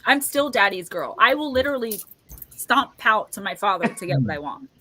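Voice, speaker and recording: A woman's voice: medium pitch, very animated, moderate pace, bright, forceful tone, poor audio. A woman hosting a casual livestream and tarot reading, talking in a chatty, rambling way with lots of "like". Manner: chatty, rambling, heavy use of "like". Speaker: livestream host and tarot reader. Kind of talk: casual live chat.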